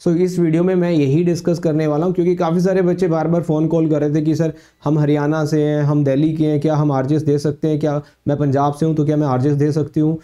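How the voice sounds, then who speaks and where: A man coaching law students, explaining exam eligibility in a repetitive lecture style and slowly reading official text aloud. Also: fairly high pitch, flat delivery, warm tone. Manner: explanatory, repeats points, mixes English phrases; reads notification lines aloud slowly.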